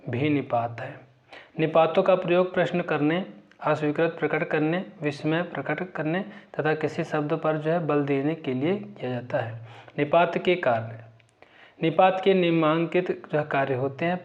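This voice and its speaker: A man teaching an exam-prep grammar lesson, reading out lists of terms and example sentences in a steady recital, often filling pauses with "जो है". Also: a little high, highs cut off.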